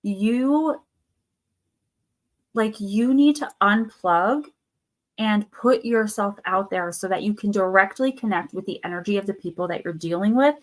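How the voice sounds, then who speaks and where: A woman's voice: mid-range voice, a little slow. A woman hosting a live card reading stream, losing her voice with a sore throat, chatting loosely with many fillers and restarts. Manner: reads card texts aloud, then riffs loosely with fillers and restarts. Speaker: tarot and oracle card reader, channel host.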